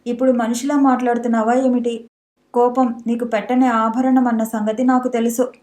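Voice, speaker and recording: A woman's voice: on the high side, level tone, a little fast, a little mellow, natural voice. A woman reading as a stern, lecturing young husband.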